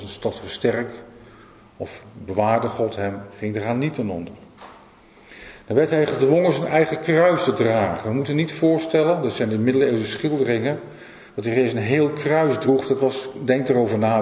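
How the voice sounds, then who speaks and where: A man preaches a sermon, earnest and given to repeating his phrases and putting questions to the listeners. His voice sits at an ordinary pitch for a man. It carries through a roomy church hall with a long echo, recorded with a dull, lo-fi sound. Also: a little mellow.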